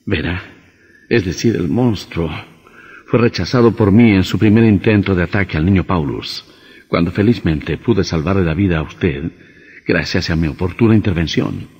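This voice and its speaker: Stern lecturing vampire hunter, lowish husky voice, muffled echoey old radio. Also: male voice, moderate pace, a little mellow. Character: grim, insistent older male vampire hunter. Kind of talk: vintage radio drama acting.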